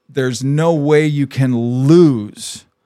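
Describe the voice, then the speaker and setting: A man speaks with ordinary pitch variation. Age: 50s. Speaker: solar company owner. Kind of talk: casual interview chat. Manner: halting.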